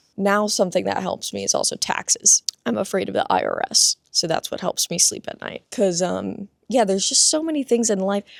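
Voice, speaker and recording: A woman with an American accent at a fairly quick pace, in a dry, close sound with no echo. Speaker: podcaster. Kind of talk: casual monologue. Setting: outdoors, in a garden. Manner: quiet.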